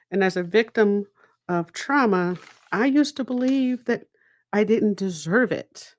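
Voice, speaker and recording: Slow, low-voiced woman, native Hebrew speaker. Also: dry recording, studio quality. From Israel. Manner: deliberate, dramatic pauses, rhetorical asides. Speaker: podcast host and speaker. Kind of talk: reflective personal monologue.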